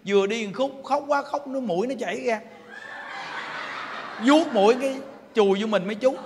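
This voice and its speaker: A Buddhist monk with a Southern Vietnamese accent, telling a story in a lively, animated sermon. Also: male voice, extremely high pitch, brisk. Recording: reverberant hall, faint noise.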